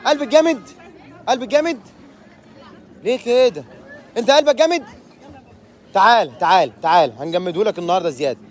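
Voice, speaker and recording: A man with an Egyptian accent, hosting a boat trip vlog outdoors at sea, loudly teasing and urging people on. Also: very high voice. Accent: Egyptian Arabic. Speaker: tour host.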